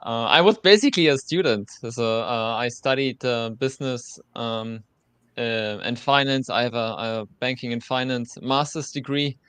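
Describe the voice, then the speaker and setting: A man's voice: medium pitch, moderate pace, a bit bright, clean tone, dry recording. A young adult man, a podcast guest, answering interview questions in a hesitant way with frequent fillers. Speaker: guest, company co-founder.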